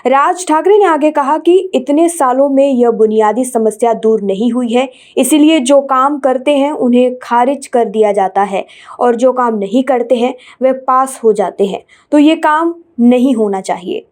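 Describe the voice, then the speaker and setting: Woman news reader, high soft mellow voice, formal scripted delivery. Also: measured pace. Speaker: news presenter.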